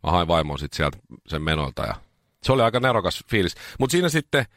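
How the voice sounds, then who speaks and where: A man's voice: no echo, studio quality. A man hosting a radio show, telling stories in casual chat. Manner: animated storytelling, jumps into high voices when quoting.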